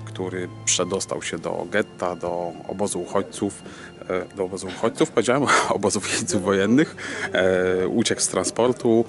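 A man in his thirties hosting a casual vlog to camera, haltingly searching for words. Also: deep voice, steady tone, over music. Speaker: vlog host. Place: dim cinema auditorium. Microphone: camera at arm's length.

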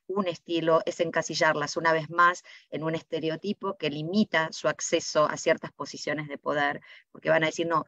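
A woman's voice: deep voice, fairly bright tone, no echo. A woman giving a prepared talk over a video call, making her points emphatically with rhetorical questions. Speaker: panel speaker, presenter. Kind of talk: prepared slide presentation. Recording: muffled dry video-call audio.

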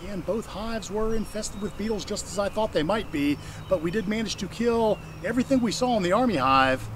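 Higher-voiced middle-aged man, noisy outdoors. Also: expressive, brisk. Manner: folksy, chatting to himself and the bees. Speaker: beekeeper and vlog host. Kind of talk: casual narration while working at a hive. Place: outdoors in a wooded yard. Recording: outdoor audio with clear background noise. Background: outdoor ambience, buzzing insects.

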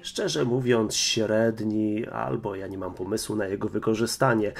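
A man's voice: on the low side, level tone, vocal fry, music in the background. A man demonstrating and reviewing a piece of gear in a casual, explanatory way. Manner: explanatory, measured. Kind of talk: casual product demo.

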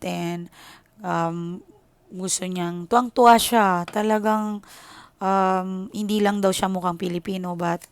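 A woman's voice: medium pitch, smooth, no room sound. A Filipino woman with a Filipino accent, giving a casual tarot reading and chatting to her viewers in a mix of Tagalog and English. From Philippines. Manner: chatty, switches into English, frequent "okay?". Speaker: tarot reader.

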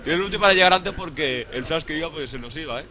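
A young man from Spain with a Spanish accent, commentating his own game excitedly, swearing and laughing often. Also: a little high, quick pace. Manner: excitable, profane, laughs often, calls viewers "sobrinillos". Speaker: gaming YouTuber.

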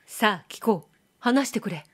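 A woman's voice: mid-range voice, animated, moderate pace, breathy edge. Young samurai man, earnest, firm, voiced by a woman reader, audiobook. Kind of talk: audiobook reading.

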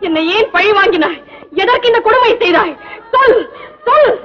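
Actress: devout educated princess-bride, formal literary delivery, high pitch, 60s soundtrack with music. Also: female voice, moderate pace, lightly acted. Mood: anguished. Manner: formal literary speech, dramatic pleading. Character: learned young princess bride, devout, proud and anguished. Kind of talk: 1960s film acting. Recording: dull old film soundtrack with music.

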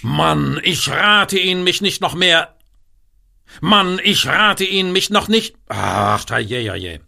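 A man with a husky voice, performing lines for a German horror radio drama. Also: on the high side, animated, takes it slowly, bright, forceful tone, heavily acted. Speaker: voice actor.

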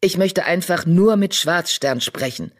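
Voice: medium pitch, expressive, a little slow. A narrator voicing Feuerstern, a male cat clan leader in an audiobook, commanding but friendly. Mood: firm.

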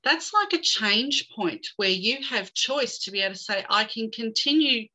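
A middle-aged woman from Australia, a guest on a video call, telling her story in an animated way and slipping in jokes. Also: fairly high pitch, normal speed, low-quality recording. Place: home room with bookshelves.

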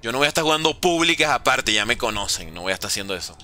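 A man with a mid-range voice talks rapid-fire, his pitch swinging widely. As a gaming streamer doing casual livestream commentary, he jokes, uses slang, and reads out his viewers' chat messages to answer them.

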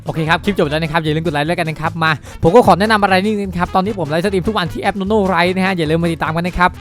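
A man hosting and improvising Minecraft roleplay in an excitable, chatty way, often repeating himself. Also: high voice, very fast, soft background music. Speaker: YouTube gaming host and roleplay lead.

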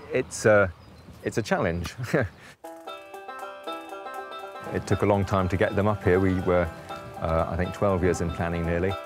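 A man speaking plainly about his wind farm co-op in a documentary interview. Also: fairly low pitch. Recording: music bed underneath.

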